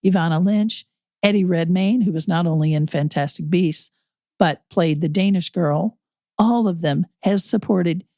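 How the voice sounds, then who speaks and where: A woman co-hosts a podcast in easy, earnest conversation, laughing now and then. Her voice is mellow and a little raspy. The sound is dry and close. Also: lowish voice, no room sound. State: slightly raspy voice. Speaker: podcast co-host. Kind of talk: casual podcast chat.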